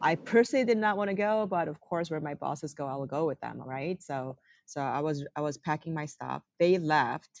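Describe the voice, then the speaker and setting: A woman with a very deep, low pitch and a Korean accent speaks at a moderate pace with lively intonation and hardly any pauses. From South Korea, Gyeonggi-do province, until age 14. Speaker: real estate executive. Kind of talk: interview.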